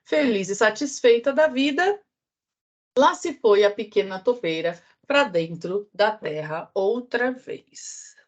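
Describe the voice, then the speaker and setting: A woman's voice: mid-range voice, expressive, a little slow. A woman teacher reading a children's book aloud in a workshop, telling it expressively and adding sound effects.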